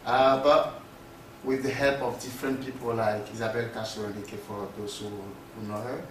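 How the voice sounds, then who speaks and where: A man's voice: mid-range voice, level tone, moderate pace, fairly bright tone. Very echoey Francophone West African man, noisy. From Togo. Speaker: tour founder, guest speaker. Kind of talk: informal presentation. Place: small classroom, standing by a screen. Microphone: far camera. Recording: very echoey room, distant mic, noisy.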